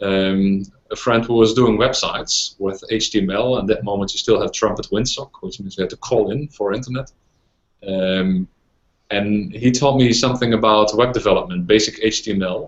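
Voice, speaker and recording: With a Dutch accent, a man talks at a moderate pace in a fairly low pitch, his intonation fairly even. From Netherlands. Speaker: neurosurgeon. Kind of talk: interview. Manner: halting, many fillers.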